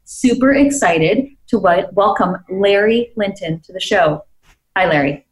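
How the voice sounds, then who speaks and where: A woman's voice: mid-range voice, animated, a little slow, echoey room, rough recording. A woman co-hosting a talk show, upbeat and chatty as she speaks. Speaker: co-host. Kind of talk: casual talk show chat.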